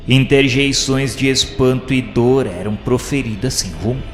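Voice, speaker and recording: A man's voice: mid-range voice, close to an everyday voice. Man as solemn narrator in echoing reverb. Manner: formal, literary, solemn. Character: earnest male pupil recounting journey through spirit underworld. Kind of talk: scripted dramatic narration for radio drama. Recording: echoey, long reverb with music behind.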